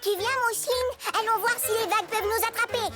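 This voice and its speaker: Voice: extremely high pitch, fairly even intonation, fast talker. A performer voicing a cheerful, curious four-year-old boy in a children's cartoon, with an eager, childlike delivery. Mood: excited. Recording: music behind the voice.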